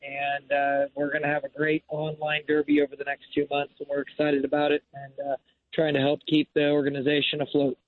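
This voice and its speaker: A man's voice: fairly high pitch, monotone, brisk. Man on a tinny phone line that keeps breaking up. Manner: plain-spoken, easygoing, with frequent "uh" fillers. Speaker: fishing guide and association president. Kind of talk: call-in radio interview. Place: on a fishing boat.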